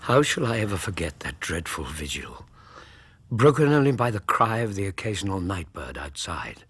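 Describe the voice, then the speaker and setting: Husky low male narrator. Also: fairly bright tone, dry recording. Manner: grave, measured delivery. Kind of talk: scripted storytelling narration.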